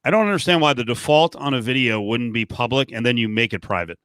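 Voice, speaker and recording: A man's voice: mid-range voice, fast, fairly bright tone, smooth, no room sound, clean studio sound. A man hosting a casual podcast, grumbling in an exasperated, jokey way.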